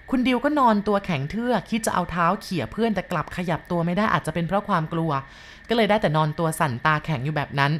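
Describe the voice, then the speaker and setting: Lady host reading a ghost story, lowish voice, calm and unhurried. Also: slight background noise. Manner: calm, slow-paced storytelling with polite particles. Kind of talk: scripted ghost story narration.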